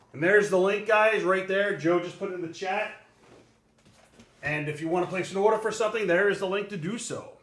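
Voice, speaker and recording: A man hosting a live autograph stream, pitching items to viewers with upbeat salesman patter. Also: a bit bright, roomy sound. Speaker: host of a signing stream.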